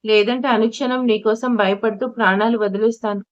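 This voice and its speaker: A woman's voice: on the high side, fairly even intonation, a little fast, no echo, lightly acted. A woman narrator voicing a devoted young husband who tearfully comforts his wife, speaking earnestly and pleadingly. The audio is dull and lo-fi. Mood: tearful reassurance. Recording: dull lo-fi recording.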